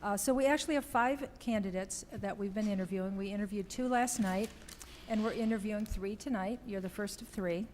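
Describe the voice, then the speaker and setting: Halting woman chairing a meeting, reverberant. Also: mid-range voice, a little mellow, a little hiss or hum. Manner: halting, many ums and uhs. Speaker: township supervisor chairing meeting. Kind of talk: procedural meeting talk. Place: township meeting room. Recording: long hall reverb with faint ambience.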